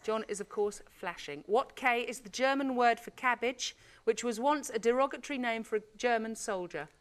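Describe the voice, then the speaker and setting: A woman's voice: fairly high pitch, normal speed. A woman hosting a game show, reading quiz questions and cheering contestants on in a chatty, exclamatory way.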